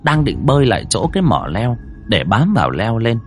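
A man's voice: medium pitch, wildly swooping pitch, moderate pace, faint music behind. A man narrating a ghost story in a vivid, suspenseful way. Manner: vivid, suspenseful, swings widely between hush and alarm. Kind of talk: dramatic storytelling.

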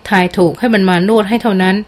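A woman's voice: mid-range voice, steady tone, fast talker, darkish tone, lightly acted. Cheeky old tracker, drawling rural twang, teasing and easygoing, read by a woman. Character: old male jungle tracker, rustic, cheeky joker.

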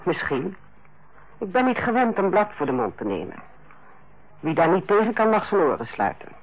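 An actress playing a stern, blunt middle-aged head nurse in a Dutch radio play, with a formal, defensive manner. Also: female voice, on the low side, very animated, moderate pace, breathy edge. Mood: defensive, prickly. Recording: dull, lo-fi old radio recording.

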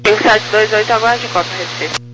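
A woman air traffic controller reading clipped procedural clearances over a crackly, military-style radio. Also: mid-range voice, brisk. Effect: radio transmission. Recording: very noisy crackly aviation radio.

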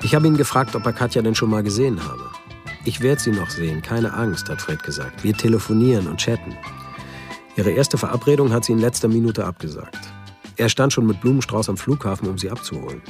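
A low-voiced man recalls an old friend in a radio drama. He is plain-spoken and conversational, like someone in a documentary interview. Music runs clearly behind his words. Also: big pitch swings, fairly quick. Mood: matter-of-fact.

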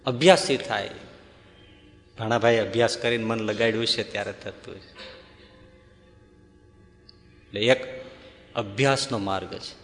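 A man giving a devotional talk, telling a parable and acting out its characters' dialogue in an animated way. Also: lowish voice, moderate pace, pauses often. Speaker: spiritual discourse speaker. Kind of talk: devotional storytelling sermon. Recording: long hall reverb.

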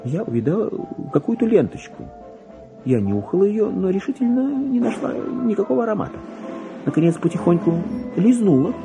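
A man's voice: high-pitched, very animated, normal speed, vocal fry, music in the background, voice pushed up, exaggerated voice. A man voicing a chatty, naive, pampered female lapdog reading out her gossipy letters in a theatrical radio play. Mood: gossipy, puzzled. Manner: prim, gossipy, singsong.

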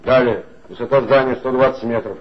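Actor as calm police commissioner, terse, matter-of-fact, mid voice. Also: male voice, medium pitch, brisk, highs cut off, natural voice. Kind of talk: 1960s Soviet radio play acting.

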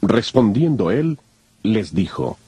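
A male narrator with a deep-leaning, very husky voice delivers scripted scripture narration. His intonation rises and falls widely, with soft music behind him. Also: sing-song, takes it slowly, no room sound. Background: faint music.

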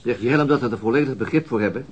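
An actor in a radio drama playing a patient, authoritative police detective who questions tersely and courteously. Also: male voice, medium pitch, very fast, darkish tone, breathy edge, lo-fi sound, natural voice. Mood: commanding, terse. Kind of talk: Dutch radio drama acting.

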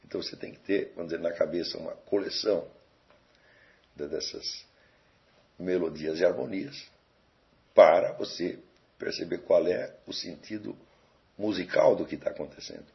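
Man, Brazilian Portuguese accent, deep gravelly voice, rambling lecture, rhetorical questions, muffled lo-fi recording. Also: moderate pace, long pauses. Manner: digressive, conversational, rhetorical questions with tag "tá certo?".

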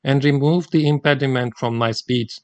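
Older Gujarati-speaking man giving a measured lecture. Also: medium pitch, fairly even intonation, a little mellow, dry recording. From India. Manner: measured, deliberate delivery with Quranic recitation. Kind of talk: formal religious lecture.

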